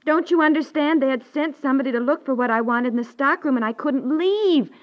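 An actress playing an apologetic, defensive but loving wife in a 1950s radio domestic comedy, explaining herself earnestly at length with an American accent. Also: female voice, high voice, a little fast, lightly acted. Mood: indignant. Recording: dull band-limited 1950s radio recording.

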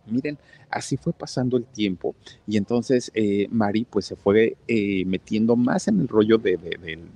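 A man's voice: lowish voice, vocal fry, darkish tone, slightly rough. A man with a Mexican accent telling a story casually and talking straight to his listeners, with lots of fillers. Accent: Mexican Spanish. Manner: chatty, talks straight to the listeners, many fillers. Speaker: channel storyteller.

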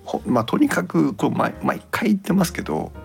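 A man's voice: a little high, very animated, fairly quick, creaky, faint music behind. A man hosting a podcast about home appliances in casual chat, thinking aloud in short conversational phrases. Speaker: podcast host.

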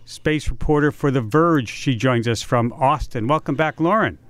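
A man hosting a public radio science talk show, speaking in an animated, lively way. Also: medium pitch, moderate pace, no room sound.

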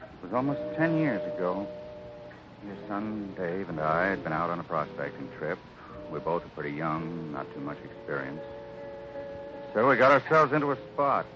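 A man playing a grave, stoic cowboy foreman, speaking with solemn, measured resignation in an old-time radio western. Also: low-pitched. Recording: dull old radio recording with music.

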